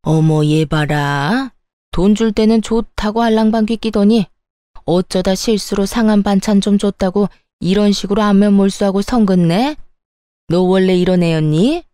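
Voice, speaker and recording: A woman's voice: mid-range voice, moderate pace, mellow, clean tone, no room sound, studio quality, natural voice. A woman voicing a scheming, self-pitying older mother-in-law who scolds and fake-wails. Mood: sneering. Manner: scolding, then fake wailing.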